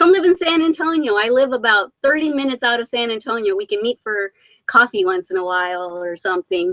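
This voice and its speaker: At a fairly quick pace, a woman with a fairly high pitch speaks in an animated tone with very wide pitch swings, the sound dry and close with no echo. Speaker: vlogger. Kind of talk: live-stream vlog chat. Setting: home, live stream. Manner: fast.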